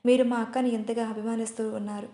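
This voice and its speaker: A woman reading a caring young wife's quiet, inward thoughts in an audio story. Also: on the high side, level tone, quick pace, natural voice. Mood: worried. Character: worried caring young wife. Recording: roomy echo.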